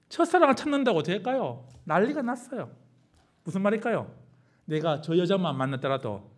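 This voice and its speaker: A middle-aged male pastor preaching a sermon, asking the congregation constant questions and swinging from hushed lines to loud exclamations. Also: on the high side. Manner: call-and-response preaching with many questions to the congregation.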